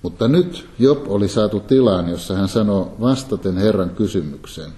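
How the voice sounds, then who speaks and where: Deep, dark-voiced man giving a Bible lecture. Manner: calm, measured reading of scripture. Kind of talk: Bible lecture with scripture reading.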